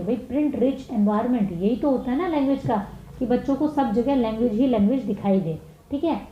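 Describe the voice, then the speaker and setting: A woman with an Indian accent, a teacher working through exam questions, reading each one out slowly and then explaining it quickly. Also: fairly high pitch. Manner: reads English slowly, explains fast in Hindi. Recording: echoey dull room sound.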